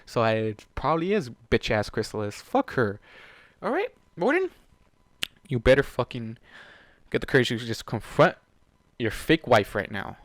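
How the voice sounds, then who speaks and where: A man with a mid-pitched voice reads fan fiction aloud in a close, dry recording. He narrates dramatically and slips into casual, sweary commentary, clearly invested in what happens. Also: wildly swooping pitch, moderate pace, a bit bright, no echo. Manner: emotionally invested, exasperated asides. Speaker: fan fiction reader and channel host. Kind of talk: dramatic story reading with casual profane reactions.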